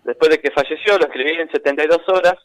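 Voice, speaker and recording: A man's voice: a little high, fast, no echo, rough recording. A man from Philadelphia with an American accent, a guest author on the phone telling anecdotes with lots of restarts. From Philadelphia, United States. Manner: chatty, animated anecdotes with many restarts. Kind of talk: phone interview, storytelling. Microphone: phone line.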